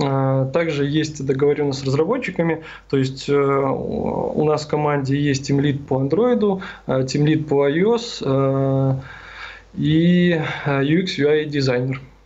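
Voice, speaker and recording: A man with a fairly high pitch speaks at a very slow pace with very even loudness and ordinary pitch variation, over noticeable background noise. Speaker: startup founder. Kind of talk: sales pitch. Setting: video call.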